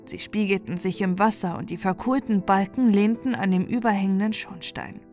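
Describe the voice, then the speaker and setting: A woman's voice: medium pitch, fairly even intonation, moderate pace, darkish tone. A woman storyteller reading a scripted fairy-tale narration. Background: background music.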